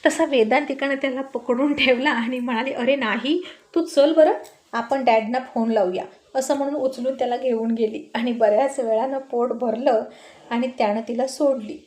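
A woman's voice: a little high, darkish tone, roomy sound. A woman narrating a romantic family story expressively, voicing every character herself.

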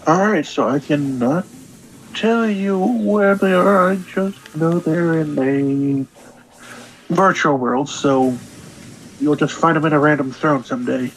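A man's voice: on the high side, slow, a little hiss or hum, poor audio. A man chatting casually over voice chat with a streamer, making offhand remarks.

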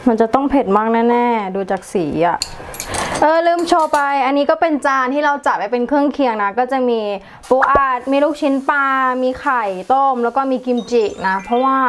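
A young woman vlogging an eating challenge in a chatty, giggly way, with casual swearing. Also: fairly high pitch. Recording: echoey room, distant mic, background noise.

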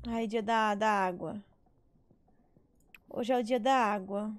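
A woman's voice: mid-range voice, steady tone, slow, soft background music. A young woman streaming a life-sim game, chatting casually with viewers and telling stories, swearing now and then. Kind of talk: casual gameplay chat with viewers. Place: small bedroom streaming setup, indoors. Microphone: headset mic on webcam stream.

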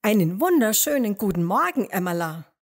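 Woman putting on an excitable, cheerful hare. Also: medium pitch, normal speed. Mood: excited. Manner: exclaiming, enthusiastic.

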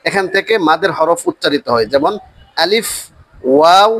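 Man, high voice, dry close mic. Patient teacher who repeats himself and stretches letter names out. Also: fairly bright tone, no echo. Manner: slow and patient, repeats each point. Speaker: Quran teacher. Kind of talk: lesson on Arabic letters.

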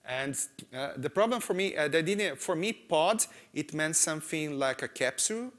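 A man's voice: a little high, moderate pace. A man in his thirties from Brazil with a Brazilian Portuguese accent, presenting a technical talk on a conference stage, gesturing a lot and often checking in with "right?". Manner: animated, gestures a lot, frequent "right?" and "uh" fillers. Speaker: conference speaker. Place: large conference hall stage.

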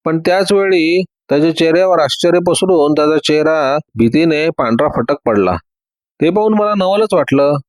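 A man's voice: fairly high pitch, normal speed, dry recording. A man narrating a dramatized detective story, raising his voice to act out the characters' dialogue.

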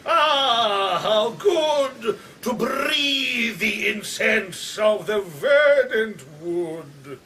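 A pompous old-style tragedian in a radio play. The voice is extremely high and very slow, grandly florid and affected. It comes from a distance amid a noisy crowd. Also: male voice, animated, sharp tone, full character voice. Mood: grandly reciting. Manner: pompous, grandly declaiming, drawn-out. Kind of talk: florid theatrical radio acting.

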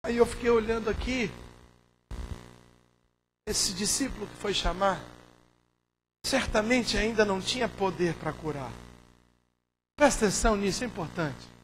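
A hoarse male pastor preaching a sermon, moving from quiet, intimate talk to fervent shouting. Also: high-pitched, measured pace, pauses often, slight background noise.

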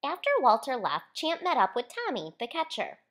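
Lady reading a kids picture book, super expressive, pitch goes up and down a lot. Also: moderate pace. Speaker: author reading own book aloud. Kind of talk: expressive children's picture book read-aloud.

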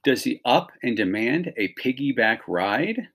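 A man's voice: mid-range voice, sing-song, measured pace, a bit bright. A middle-aged man giving an instructional read-along for children, explaining and pointing things out in simple phrases. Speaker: teacher reading a picture book aloud to children.

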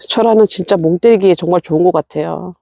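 A woman's voice: fairly low pitch, quick pace, vocal fry, mellow, no room sound. Middle-aged woman, casual vlog chat, talks to her plants, dry close sound. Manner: chatty, talks to her plants, scolds herself. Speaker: succulent-growing vlogger. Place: rural home.

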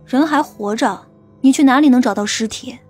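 An actress playing a stern, sharp-tongued female police team leader in an audiobook, commanding and scolding. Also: sits high, moderate pace, slightly rough, faint music behind. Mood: assured. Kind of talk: acted audiobook dialogue.

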